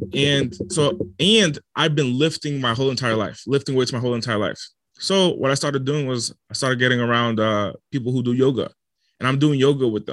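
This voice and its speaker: A plain, everyday voice from a man with an American accent, medium pitch, ordinary pitch variation and a fairly quick pace, over a quiet background. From US Northeast, Rhode Island. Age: 20s. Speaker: entrepreneur and motivational speaker. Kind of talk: interview.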